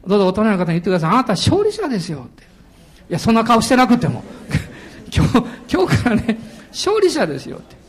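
A middle-aged male pastor delivering a sermon in a strikingly high voice. His pitch leaps around in lively swings, and he laughs readily and bursts into shouted hallelujahs. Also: quick pace.

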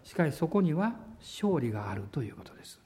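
High, lively-voiced preaching man. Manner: expressive preaching, drawn-out pauses, dips to a near whisper. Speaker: pastor. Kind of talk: sermon.

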